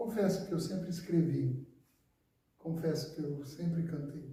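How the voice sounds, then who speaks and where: A man with a high pitch and a dark, mellow tone speaks at a fairly slow pace with fairly even intonation, and some room echo can be heard. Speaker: pastor. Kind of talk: sermon. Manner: intense.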